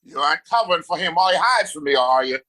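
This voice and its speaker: A man plays a rich, domineering town boss in a Western radio play. His bright voice swings widely in pitch as he hands out orders with condescension and open scorn. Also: animated, fast. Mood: irritated, demanding. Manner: condescending, commanding. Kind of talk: Western audio play acting.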